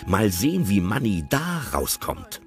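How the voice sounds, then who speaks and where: A man's voice: on the low side, very animated, a little slow, faint music behind. A man narrating an audio drama in a chatty, playfully commenting way.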